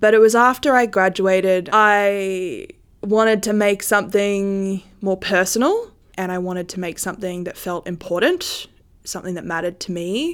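The speaker is a woman with an Australian accent. She has a medium pitch and ordinary pitch variation. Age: 20s. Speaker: film writer and director. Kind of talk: interview.

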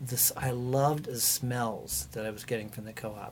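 A man speaks with an American accent at medium pitch. His pace is moderate. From Vermont, US. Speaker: cashier filling in as podcast host. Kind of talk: casual chat, comedic prank episode. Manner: playful, humorous.

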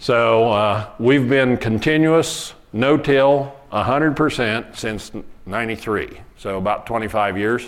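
Someone speaks with an American accent amid audible room echo. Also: man. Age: 50s. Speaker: farmer. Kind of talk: conference talk.

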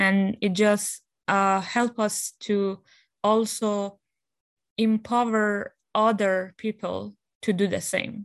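A woman's medium-pitched voice, very slow with long, frequent pauses, monotone and flat in intonation, at a very even loudness over a quiet background. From Afghanistan. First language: not English. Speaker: author and social services worker. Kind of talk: interview. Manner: halting.

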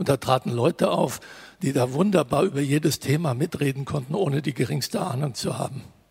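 A man with a fairly high, somewhat breathy voice talks fairly quickly. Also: ordinary pitch variation. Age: old. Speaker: psychiatrist and systemic therapist giving a conference talk. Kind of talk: lecture. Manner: hesitant with fillers.

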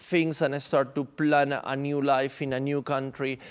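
With a Spanish accent, a man talks fairly slowly in a fairly high voice. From Argentina, Buenos Aires. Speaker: church speaker, film producer. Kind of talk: sermon. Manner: halting, many fillers and repetitions.

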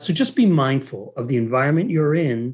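Against a quiet background, a man speaks at a moderate pace with a somewhat breathy, medium-pitched voice and lively intonation. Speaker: author and communications trainer. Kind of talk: interview conversation.

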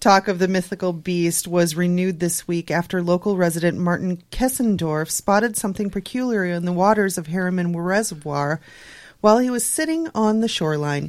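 A woman with a normal speaking voice talks at a fairly quick pace and medium pitch with ordinary pitch variation, in a very clean recording with a silent background. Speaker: paranormal quiz show panelist. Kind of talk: casual chat.

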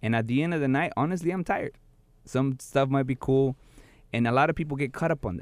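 Very fast and fairly high in pitch, a man talks in a Spanish accent with ordinary pitch variation. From Mexico City. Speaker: rapper and DJ. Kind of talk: casual interview. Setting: studio.

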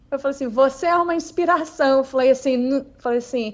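This woman has a high-pitched voice. Her pitch variation is ordinary. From Rio de Janeiro state, Brazil. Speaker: long-distance hiker. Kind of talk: casual interview, telling stories. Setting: remote call from the US.

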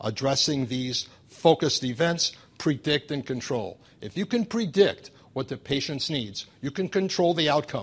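A man speaks at a moderate pace with a fairly high pitch. His voice is somewhat breathy, and his intonation is lively. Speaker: pharmacology professor, lecturer. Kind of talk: conference lecture with case presentation. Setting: conference stage with audience.

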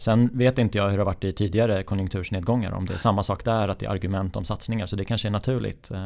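A man talks very fast at a fairly low pitch with fairly even intonation and hardly any pauses. The recording is very clean, with a silent background. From Sweden, Stockholm area. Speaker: podcast host. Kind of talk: podcast interview.

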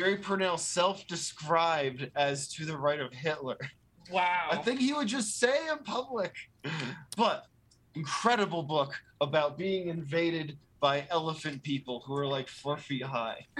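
He talks at a moderate pace with a fairly high pitch. The man has an unremarkable speaking voice. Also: lively intonation. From Canada. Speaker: science communicator. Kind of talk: casual chat. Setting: in person at host's home.

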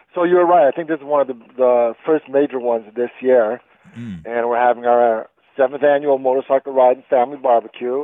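This ordinary speaking voice moves at a fairly quick pace, with fairly even intonation and big swings in loudness. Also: man. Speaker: biker charity organizer. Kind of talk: interview. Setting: phone call.

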